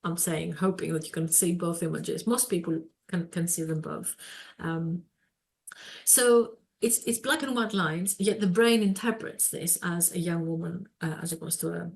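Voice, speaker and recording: Greek-accented woman lecturer, low-ish pitch, gravelly fry, explains step by step with fillers. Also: normal speed. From Greece. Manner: explanatory, many fillers and repeated words. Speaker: webinar speaker, psychologist. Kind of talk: presenting a webinar lecture.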